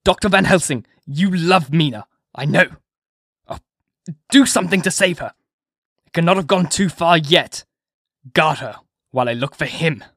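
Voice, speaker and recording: A man's voice: on the high side, expressive, normal speed, creaky, no room sound, studio quality, pitched above the performer's own voice, heavily acted. A man voicing a desperate young husband who cries out in alarm, in a storybook reading. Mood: frantic alarm. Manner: loud, desperate, crying out. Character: young husband, dazed then frantic.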